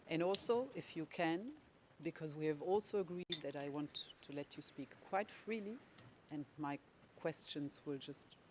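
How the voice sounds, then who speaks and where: A legal representative speaking in a measured, deliberate way while questioning a witness in court. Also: medium pitch, slight background noise.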